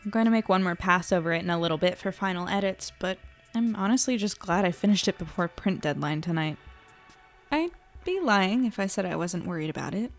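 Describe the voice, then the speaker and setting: A woman's voice: on the low side, expressive, fairly quick, soft background music. A woman playing an earnest, anxious small-town newspaper reporter in an audio drama, conversational, musing and unsure of herself. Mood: musing, uneasy. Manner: conversational, musing, self-doubting. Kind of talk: naturalistic audio drama podcast acting.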